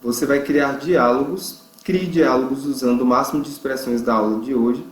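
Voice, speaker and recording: A man from Brazil teaching an English lesson, explaining phrases and slowly drawing out example words for learners to repeat. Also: medium pitch. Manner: slow, drawn-out pronunciation drills. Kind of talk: online language lesson. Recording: echoey room.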